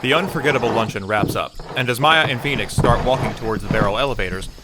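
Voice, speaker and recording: A man's voice: mid-range voice, quick pace, heavy background noise, lightly acted. A man narrating an audio drama in a composed, drily amused storytelling manner. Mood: composed, dry.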